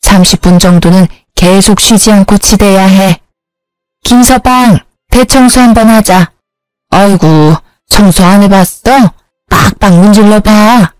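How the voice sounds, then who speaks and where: A woman voicing a stern older mother-in-law who speaks slowly and scolds. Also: medium pitch, darkish tone, no echo, lightly acted. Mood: scolding. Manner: slow, scolding.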